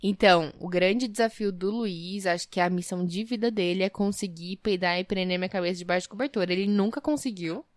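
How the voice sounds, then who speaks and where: A woman's voice: mid-range voice, a little fast, hardly any pauses, no room sound. A young Brazilian woman co-hosting a casual podcast chat, telling stories in a playful, exaggerated way. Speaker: podcast co-host.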